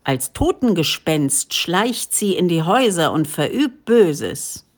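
A woman's voice: fairly low pitch, very animated, takes it slowly, exaggerated voice. A woman reading the part of an eager male villager who explains folk beliefs in an insistent way.

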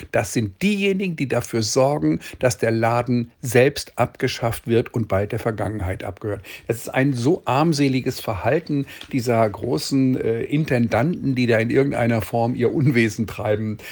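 A man's voice: mid-range voice, vocal fry, a little mellow, slightly rough. A man appearing as a guest on a political talk show, speaking in an indignant, emphatic way.

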